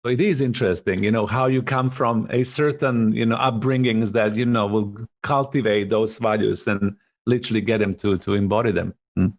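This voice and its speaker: Middle-aged guy hosting a coaching chat on a call, kinda low voice, earnest, leans on words for emphasis. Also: steady tone, normal speed, hardly any pauses. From Serbia. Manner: earnest, emphatic, repeats for stress. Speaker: host, coach. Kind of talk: reflective conversation.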